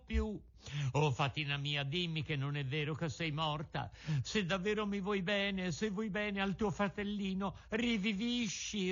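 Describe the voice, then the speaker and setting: A wooden puppet boy, voiced by a man, with a thin, lifted voice that keeps breaking into pleas and sobs. He is impulsive and childlike. The audio is muffled and lo-fi. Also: a bit bright. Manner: high, sobbing, pleading. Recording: dull lo-fi audio.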